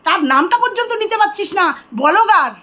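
A woman's voice: very high-pitched, brisk, fairly bright tone. A woman delivering an angry, accusing monologue straight to the camera, repeating phrases for emphasis.

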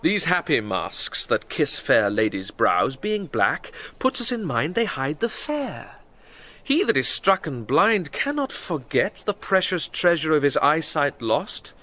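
Brooding young nobleman, British, radio verse drama: bright, highish voice, melancholy and declamatory. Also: big pitch swings, unhurried, full character voice. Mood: lovelorn. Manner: declamatory, sighing, ornate verse delivery. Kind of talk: Shakespearean radio drama acting.

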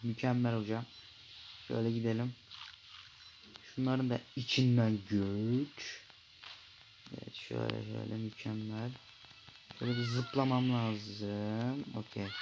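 A young man giving casual gameplay commentary, chatting to viewers and to the creatures on screen, often breaking into loud yelling. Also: medium pitch, noisy background. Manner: chatty, talks to his shark and fish, bursts into loud yelling. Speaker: gaming YouTuber.

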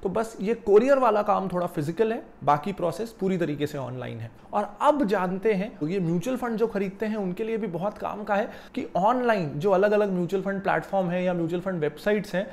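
A young man giving a lively explanatory video lesson about investing, seated in a small office and using a lapel mic. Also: high-pitched, a little fast, gravelly, hardly any pauses. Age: young adult. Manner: animated, gestures while explaining. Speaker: finance educator.

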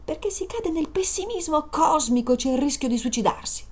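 A capricious young woman who coaxes and pleads in a singsong way, as a woman reader puts her on. Her voice rides high and leaps all over its range, in a dramatized story reading. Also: animated, fairly quick. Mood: insistent. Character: whimsical, childish young woman passenger.

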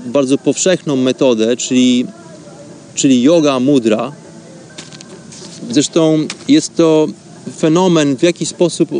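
A man hosting a radio show, giving instructional talk in an explanatory way, pausing now and then to find words. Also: a little high, a little mellow, slight background noise. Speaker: host of a radio show on meditation.

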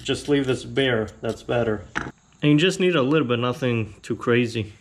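A man hosting a casual how-to video, explaining a repair step by step in a relaxed, plainspoken way. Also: mid-range voice, normal speed. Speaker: motorcycle channel host.

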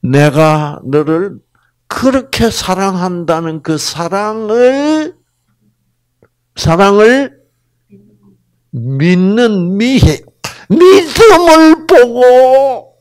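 A man lecturing a live audience on faith, his voice rising and falling widely as he poses one rhetorical question after another. He speaks slowly and with a fairly high pitch, in a dry, close sound. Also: clean tone, no echo. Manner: animated, asks the audience constant rhetorical questions; acts out quoted people in his stories. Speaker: health lecturer.

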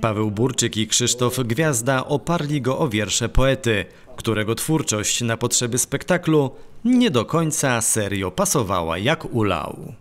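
A man reading scripted news narration in a measured, formal way. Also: medium pitch, animated. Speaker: news reporter. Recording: voice-over with faint music.

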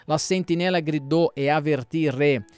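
A man, a pastor, reading scripture aloud in a steady, measured way. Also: fairly high pitch, smooth, dry recording. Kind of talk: Bible reading.

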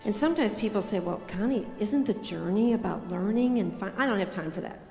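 An older woman gives a motivational keynote on a conference stage, using a handheld mic and a punchy, emphatic delivery aimed at her audience. Her mid-range voice is expressive, a little fast, and creaky, with music behind it and long reverb in a roomy hall.

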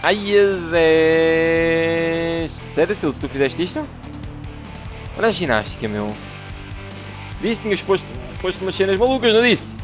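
A young man with a European Portuguese accent doing excitable let's play commentary, breaking into loud exclamations. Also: a little high, unhurried, pauses often, over music. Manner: excitable, bursts into exclamations and laughter. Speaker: gaming YouTuber.

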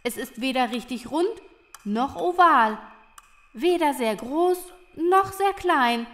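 A woman's voice: high voice, expressive, slow, fairly bright tone, exaggerated voice. A woman voicing a proud female little creature who leads a chamber, speaking ceremoniously in theatrical rhyme for a children's audio drama. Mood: announcing. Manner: ceremonious, theatrical rhyming delivery.

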